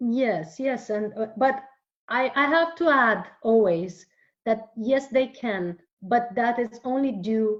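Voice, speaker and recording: A woman speaks with a Romanian accent at a fairly slow pace. Her fairly high pitch shows ordinary variation. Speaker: spiritual author. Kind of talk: interview.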